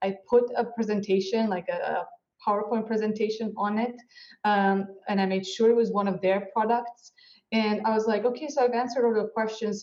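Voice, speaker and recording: In a Romanian accent, a woman talks with fairly high pitch and monotone, flat intonation. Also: fairly quick pace. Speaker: communications professional. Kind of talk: panel talk.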